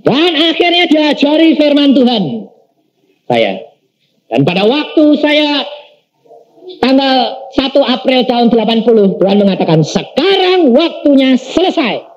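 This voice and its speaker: A man's voice: extremely high pitch, sing-song, unhurried, long pauses. A middle-aged man, an evangelist telling his testimony in a sermon and acting out the dialogues. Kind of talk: storytelling sermon. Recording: dull lo-fi sermon recording.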